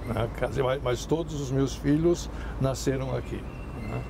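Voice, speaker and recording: A man's voice: mid-range voice, moderate pace, vocal fry, background noise. A man in his eighties from Germany, a native German speaker, answering interview questions hesitantly with restarts. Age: 80s. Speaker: author, interview guest.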